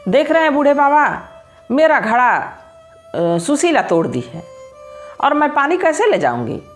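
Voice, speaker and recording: A woman voicing a greedy, quarrelsome young village woman in a devotional story, complaining in a shrill tone. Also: very animated, a little slow, soft background music.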